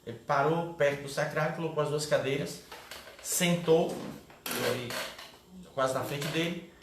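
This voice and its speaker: A middle-aged man gives a first-person testimony at a catechesis, telling it as an animated storyteller who often ends a line with a tag question. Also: on the high side, normal speed. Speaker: guest speaker at a catechesis. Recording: echoey room with faint background noise.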